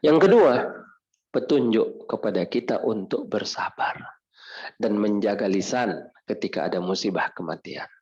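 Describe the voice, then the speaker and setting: A man's voice: lowish voice, normal speed, muffled recording. A man preaching a mosque study lecture, reciting Arabic prayers and explaining them, often asking the audience questions. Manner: animated, asks the audience questions and answers them. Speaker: preacher teaching Islamic jurisprudence.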